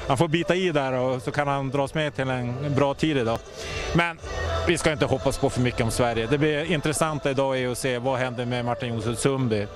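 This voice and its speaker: A man's voice: medium pitch, over music. A man reporting on sport, giving a confident and analytic breakdown of the race outdoors at a snowy ski stadium, with a few dry jokes. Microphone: handheld mic.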